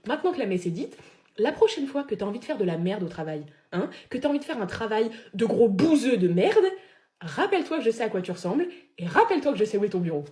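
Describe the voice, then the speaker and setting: A woman's voice: medium pitch, lightly acted. A woman voicing a cheeky, foul-mouthed female pet dog in a comedy sketch, crude and theatrical. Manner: crude, deadpan then explosive. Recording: roomy echoey room.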